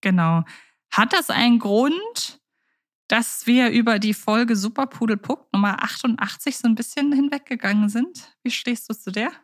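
A woman's voice: fairly high pitch, expressive, moderate pace. Female podcast co-host, casual and talkative, hesitates with fillers. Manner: chatty, thinks aloud with fillers.

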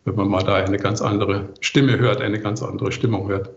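An older man answers interview questions in a relaxed way, with a fairly low voice. The recording is echoey and slightly muffled, as if he joins remotely from a reflective room. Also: moderate pace, gravelly. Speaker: composer interviewed as podcast guest.

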